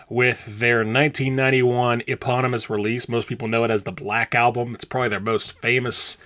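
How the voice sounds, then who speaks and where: Male podcast co-host, mid-pitched, casual, dry recording. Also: fairly bright tone, no echo.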